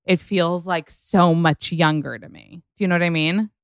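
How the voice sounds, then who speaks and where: A woman's voice: lowish voice, normal speed, smooth, no echo, studio quality. A woman hosting a podcast, chatting in a gushing, rambling way full of "like". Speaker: podcast host. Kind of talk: casual podcast chat.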